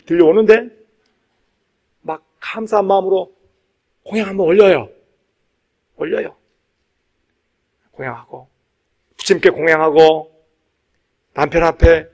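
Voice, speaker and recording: A man, a Buddhist monk, preaching to a congregation in an emphatic, exhortative way, repeating key phrases and pausing for weight. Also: high voice. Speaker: Buddhist monk giving a dharma talk. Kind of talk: sermon to a live congregation.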